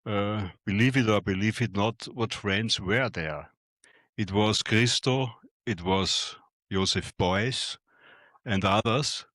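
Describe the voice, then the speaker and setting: An older Austrian man with a German-speaking accent, telling stories to an audience in hesitant, halting English with many fillers. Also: lowish voice, fairly bright tone, no echo. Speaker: guest photographer. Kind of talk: speech to an audience.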